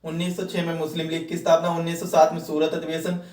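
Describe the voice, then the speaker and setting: A roomy, slightly distant recording of a man with a high voice giving a classroom lecture. He teaches for exam preparation, repeating key phrases and posing questions that he then answers himself. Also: completely flat delivery, a little mellow. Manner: repeats key phrases slowly for note-taking. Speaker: exam-prep history teacher. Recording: roomy echo, distant microphone.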